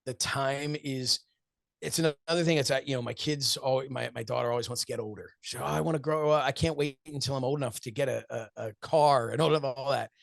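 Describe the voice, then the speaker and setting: Here a wrestling commentator and show host in his forties sits as an interview guest, speaking a little fast in a creaky, medium-pitched voice. His answers are earnest and reflective, full of stories, impressions of quoted friends, and frequent laughter. The studio-quality audio has no echo.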